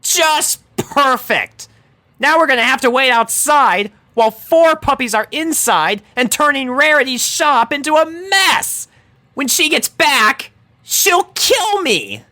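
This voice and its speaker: A man's voice: extremely high pitch, lively intonation, takes it slowly, pushed and bright, dry recording, pitched above the performer's own voice, full character voice. A man voicing a brash, hot-tempered female cartoon pegasus pony in an exclamatory, exasperated way. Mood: exasperated ranting. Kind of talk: animated fan fiction character reading.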